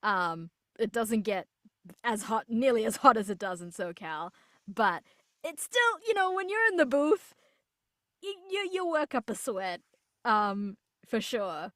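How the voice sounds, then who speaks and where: A woman's voice: fairly high pitch, very animated, a little slow, fairly bright tone, dry recording, studio quality. A young woman from New Zealand, a voice actor, chatting cheerfully in an interview with frequent restarts. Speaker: voice actor guest. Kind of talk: casual interview chat.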